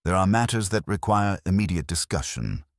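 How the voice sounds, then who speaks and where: A man voicing a careful small-town jeweler in a mystery story, speaking formally and with deliberate precision. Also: sits low, lively intonation, no echo, clean studio sound. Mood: careful, concerned.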